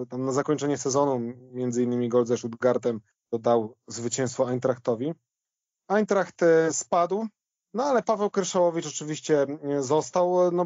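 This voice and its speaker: A man with a slightly high voice talks football in a discursive, hesitant, conversational style. He often repeats words as he works through a point. The recording is dry and a little dull. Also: a little mellow, no room sound. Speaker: football podcast guest commentator. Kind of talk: conversational football reminiscence and analysis.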